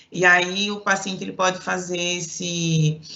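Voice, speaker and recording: A woman with a Pernambuco accent and a fairly low pitch speaks in a monotone, flat way, with audible room echo and noticeable background noise. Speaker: healthcare company manager. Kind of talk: online presentation. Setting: live stream. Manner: hesitant, many fillers.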